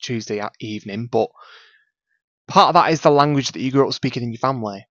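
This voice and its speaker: A man's voice: mid-range voice, fast, fairly bright tone, no room sound. A young adult man with a Northern English accent co-hosting a podcast, blunt, opinionated and teasing. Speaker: podcast co-host. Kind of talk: casual chat. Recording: dry, slightly dull podcast mic.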